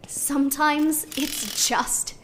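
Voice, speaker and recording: A woman's voice: high voice, very slow, noisy background. A woman playing a spirited, idealistic young artist musing conversationally into a recorder in an audio drama. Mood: playfully passionate. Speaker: actor in a sci-fi audio drama. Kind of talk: audio drama monologue, naturalistic.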